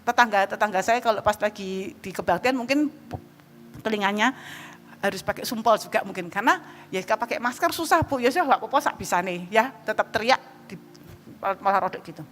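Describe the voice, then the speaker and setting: A woman evangelist with a Javanese accent preaching a sermon in a church hall, lively and joking, often calling out to the congregation. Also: mid-range voice, a little fast. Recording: reverberant church hall, faint background noise.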